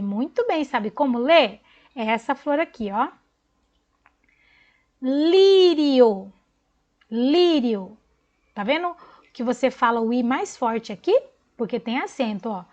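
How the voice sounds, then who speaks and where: A woman teacher speaks slowly to small children in a high, lively voice, spelling out letters one by one and praising each answer. Her voice is recorded with dull, lo-fi sound. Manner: slow, encouraging, spells out letters and counts syllables. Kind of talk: recorded online class for young children.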